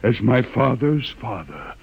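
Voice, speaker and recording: A man's voice: medium pitch, sing-song, unhurried, creaky, breathy edge, dull audio, heavily acted. An actor playing a pompous old holy man, solemn and menacing, in the style of 1950s radio drama. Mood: solemn, preaching. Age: older. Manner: solemn, pompous, incantatory delivery. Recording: old radio broadcast with music.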